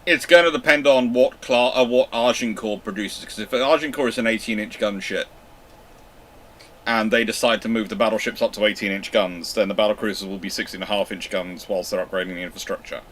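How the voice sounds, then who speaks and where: A man's voice: fairly low pitch, steady tone, a little fast, fairly bright tone, a little hiss or hum. Man answering questions, lots of ums. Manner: hesitant, many fillers and restarts. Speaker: naval history channel host. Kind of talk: live Q&A, reading and answering viewer questions.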